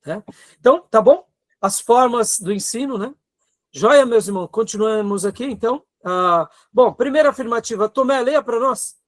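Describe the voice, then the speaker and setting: A man's voice: extremely high pitch, moderate pace. A man with a Brazilian Portuguese accent giving an earnest seminary lecture, asking rhetorical questions and checking in with his students. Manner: earnest, exhorting, asks rhetorical questions, frequent tag questions. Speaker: seminary teacher.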